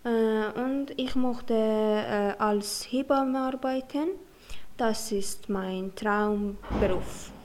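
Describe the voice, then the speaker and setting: A woman's voice: a little high, very slow, noisy background. A young woman from Afghanistan with a Persian accent, introducing herself in hesitant, careful learner speech. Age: young adult. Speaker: language learner. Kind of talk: personal self-introduction.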